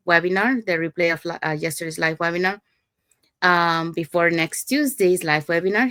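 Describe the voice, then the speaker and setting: Woman, from Panama, podcast host, lowish voice, upbeat, steady explaining, dry close sound. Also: no echo. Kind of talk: casual promotional podcast talk.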